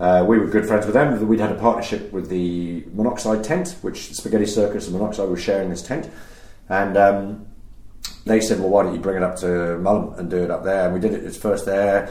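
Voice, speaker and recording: This man has a normal speaking voice with a fairly low pitch. His intonation is fairly even and his pace fairly quick. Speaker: street performer. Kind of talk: interview, storytelling. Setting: hotel room, in person.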